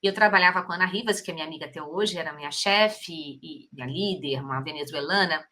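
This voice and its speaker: A middle-aged woman with a Brazilian Portuguese accent hosts a podcast interview casually and effusively, exclaiming often. Her voice is deep, fast, bright and forceful.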